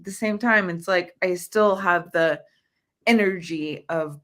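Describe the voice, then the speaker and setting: Woman in her 30s chatting on a podcast, lots of giggling, bright tone, slow. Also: on the low side. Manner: giggly, laughs often. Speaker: podcast guest. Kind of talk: casual chat.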